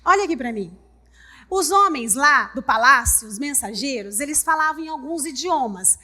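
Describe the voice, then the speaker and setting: High, bright-voiced Brazilian woman preaching. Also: animated, normal speed. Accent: Brazilian Portuguese. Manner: emphatic, repeats phrases, addresses congregation directly. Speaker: pastor. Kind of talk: sermon.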